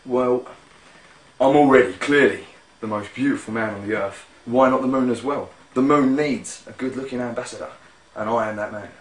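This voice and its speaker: A man's voice: medium pitch, moderate pace, lightly acted. A man playing a smug, vain pretty boy. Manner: smug, boastful. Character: vain young man who thinks he is gorgeous. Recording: echoey room, mic far off.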